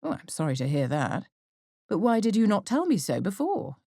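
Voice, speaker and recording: A woman voicing a sardonic, reserved middle-aged father in an audiobook, dry, deliberate and mock-courteous. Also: mid-range voice, big pitch swings, warm tone, no echo, pitched above the performer's own voice. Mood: mock serious. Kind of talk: audiobook character acting.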